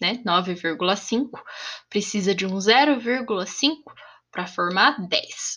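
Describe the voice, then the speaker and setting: A woman speaks with lively intonation. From Brazil, São Paulo. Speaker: podcast host and Portuguese teacher. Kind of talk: language-learning monologue. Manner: slow, clear.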